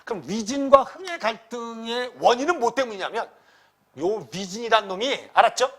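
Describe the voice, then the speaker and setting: Lively blunt Korean literature tutor, man. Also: very high-pitched, moderate pace. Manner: animated, blunt, slangy teacher voice with frequent check-ins to students. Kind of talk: lecture explaining a classical novel passage.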